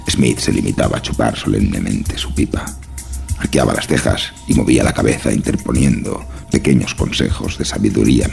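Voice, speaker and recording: A male narrator reads a horror story in a measured, literary style. The voice is extremely deep and heavily gravelly, with faint music underneath. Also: a little mellow.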